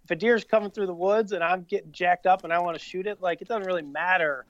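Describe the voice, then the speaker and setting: A man's voice: high voice, steady tone, fast, a bit bright, dry recording, highs cut off. A man in his late thirties, chatting casually as a podcast co-host, easygoing and rambling with lots of fillers. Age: 30s. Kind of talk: casual chat.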